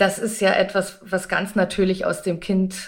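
At a moderate pace, a woman speaks at a medium pitch in an ordinary speaking voice. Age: 30s. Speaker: early childhood educator and parent coach. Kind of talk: interview.

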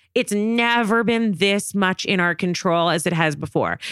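A woman with a plain, everyday voice at a medium pitch, with ordinary pitch variation and a moderate pace, in a very clean recording with a silent background and a dry, close sound with no echo. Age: 30s. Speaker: reality TV personality and body positivity advocate. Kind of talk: casual chat.

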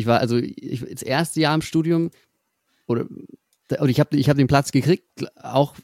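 In a dry, close sound with no echo, a man speaks with ordinary pitch variation. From Franconia, Germany (Lauf an der Pegnitz). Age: 20s. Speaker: musician and music student. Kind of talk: casual interview.

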